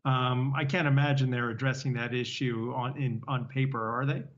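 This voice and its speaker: A man's voice: mid-range voice, steady tone, normal speed. A man co-presenting a financial show, asking conversational questions in a hesitant, tentative way. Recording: dull lo-fi remote-sounding audio.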